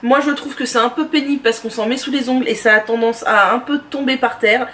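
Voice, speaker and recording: High-voiced woman chatting about favorite products. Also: steady tone, fairly quick, fairly bright tone. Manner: chatty and enthusiastic, frequent "euh" fillers. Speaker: beauty and lifestyle vlogger. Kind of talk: casual product review monologue. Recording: voice distant from the mic.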